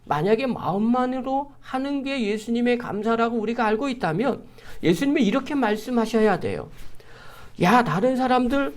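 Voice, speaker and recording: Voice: medium pitch, lively intonation, a little fast, darkish tone. A pastor giving an early-morning sermon, speaking earnestly and putting one rhetorical question after another to the congregation.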